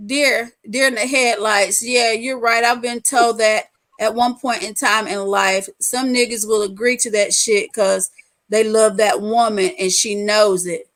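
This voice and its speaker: A woman chatting casually on a live stream, telling loud, laughing stories full of frank slang. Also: medium pitch, level tone, unhurried. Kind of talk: casual chat.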